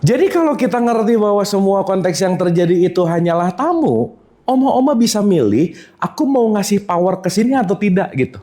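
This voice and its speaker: Speaking fairly quickly in a high voice, a religious teacher leads a laid-back spiritual lesson before a live audience. He is animated, with big swings in pitch, and keeps quizzing the people in front of him.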